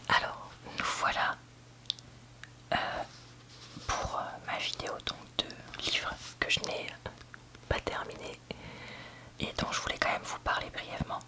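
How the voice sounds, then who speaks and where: A book reviewer giving a candid, hesitant ASMR review in a soft library whisper, often searching for words. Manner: soft library whisper, almost entirely unvoiced. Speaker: book reviewer, video host.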